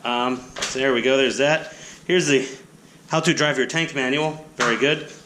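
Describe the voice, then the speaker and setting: A man's voice: mid-range voice, moderate pace, pushed and bright, slight background noise. Nasal-voiced man chatting through an unboxing. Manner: rambling, self-deprecating, chatty. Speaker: hobby channel host. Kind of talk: casual unboxing commentary. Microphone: action camera.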